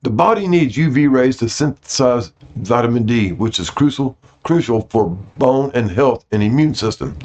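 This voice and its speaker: A man's voice: medium pitch, animated, moderate pace, few pauses, darkish tone. A man reading aloud to his viewers in an informal way, stumbling over some words and correcting himself. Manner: apologetic about his pronunciation. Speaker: host reading out notes to viewers. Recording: dull lo-fi audio.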